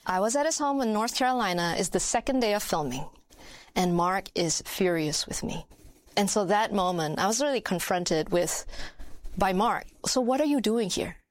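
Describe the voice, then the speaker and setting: Woman filmmaker guest, mid-pitched voice, dry close sound, reflective. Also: normal speed, dry recording. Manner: reflective, searching, with restarts. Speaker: documentary filmmaker and journalist guest. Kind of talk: interview answers.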